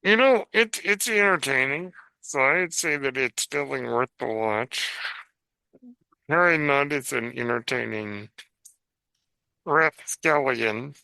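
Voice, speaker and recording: Creaky, bright-voiced man chatting. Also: mid-range voice, animated, measured pace, no echo, low-quality recording. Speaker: podcast co-host. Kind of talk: casual chat and commentary.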